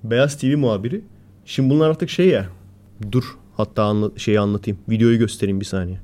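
A man co-hosting a casual podcast chat, telling stories animatedly and acting out the loud lines of the people in them. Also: lowish voice, quick pace. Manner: animated storyteller, acts out quoted shouting. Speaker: podcast co-host.

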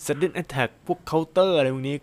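A man's voice: on the high side, takes it slowly, a little hiss or hum. A man hosting his own solo podcast, talking casually in a rambling, chatty way with lots of fillers and exclamations. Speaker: podcast host.

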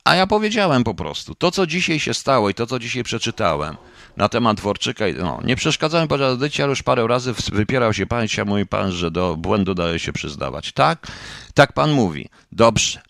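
A man's voice: mid-range voice, big pitch swings, brisk, gravelly, fairly bright tone, dry recording. A middle-aged man hosts a live online show, combative and swearing now and then as he presses his chatters with the same question again and again. His voice swings widely up and down, and the sound is close and dry with no room around it. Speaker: online radio host reading a live chat. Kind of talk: casual live broadcast talk answering chat comments.

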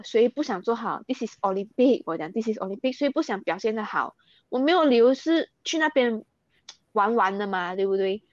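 A woman's voice: mid-range voice, no echo, dull audio. A young Malaysian woman speaking Mandarin with a Malaysian accent, earnestly recounting things in an interview and mixing in English words. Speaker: interview guest, athlete. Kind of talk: candid interview.

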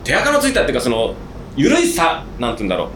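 A man hosting a casual podcast chat, talking at length in a rambling, animated way about his work. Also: medium pitch, racing, reverberant, a little hiss or hum. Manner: talkative, rambling, animated storytelling. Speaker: podcast host, outdoor gear maker.

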